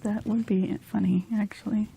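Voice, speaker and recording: A woman's voice: medium pitch, flat delivery, moderate pace, creaky, warm tone, slightly rough. A woman hosting a casual painting tutorial, chatting informally and thinking aloud as she works. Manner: giggly, informal, thinking aloud while working. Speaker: host, painting instructor.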